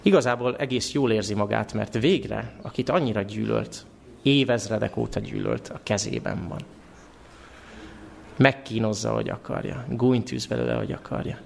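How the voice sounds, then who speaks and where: A man preaching a sermon in a church, animated and putting questions to the congregation. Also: lowish voice, gravelly, a little hiss or hum.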